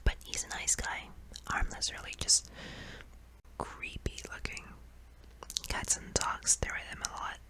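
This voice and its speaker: A performer voicing a kindly, apologetic sleep paralysis demon in a soft, hesitant, breathy whisper for an ASMR roleplay. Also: unhurried. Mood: fond, earnest.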